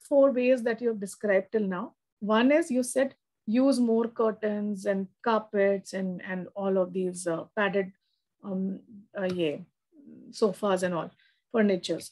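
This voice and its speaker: A woman's voice: mid-range voice, measured pace, a little mellow. A woman with a South Asian accent tutoring a student in physics, explaining and often checking understanding with short tags. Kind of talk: one-to-one spoken lesson.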